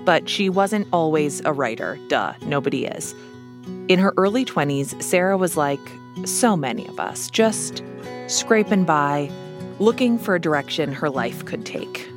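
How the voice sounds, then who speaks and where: A woman's voice: low-pitched, lively intonation, unhurried, music in the background. A woman hosting a podcast, narrating in a wry, playful scripted style with joking asides. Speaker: podcast host.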